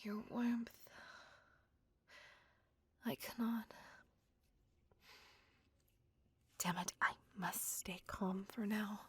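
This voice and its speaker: A woman voicing a possessive, courtly, ancient female vampire in a slow, intimate, whispered ASMR roleplay with formal old-fashioned speech. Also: medium pitch, steady tone, fairly bright tone, a little hiss or hum. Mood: hungry. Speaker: voice actor. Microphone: close ASMR microphone.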